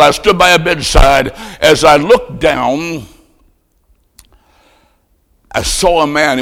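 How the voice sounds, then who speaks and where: Gravelly preacher in an echoing hall. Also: male voice, fairly high pitch. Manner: dramatic, swings from hushed to shouting. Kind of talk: evangelistic sermon storytelling. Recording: long hall reverb.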